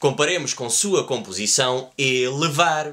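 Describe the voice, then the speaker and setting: The background stays quiet. Against it, a man speaks at a very slow pace. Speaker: language educator. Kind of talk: lecture. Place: home room.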